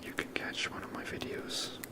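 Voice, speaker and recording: A person whispering casual, rambling ASMR commentary while playing a video game, in a breathy, unvoiced voice. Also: moderate pace.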